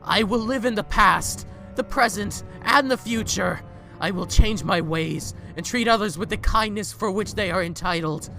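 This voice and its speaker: A man's voice: high-pitched, normal speed, creaky, hardly any pauses, sharp tone, soft background music, exaggerated voice. A man playing a proud rich man who turns frightened and repentant in a dramatic audio drama, speaking theatrically. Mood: desperate pleading. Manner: theatrical, pleading.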